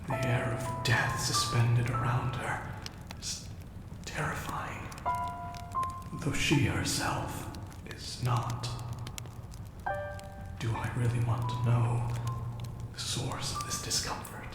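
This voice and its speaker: A man's voice: mid-range voice, level tone, slow pace, long pauses. A man playing a bewildered, melancholy departed soul without memories in an audio drama, musing hesitantly through heavy reverb. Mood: uneasy, melancholy. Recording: long echoing reverb under loud music.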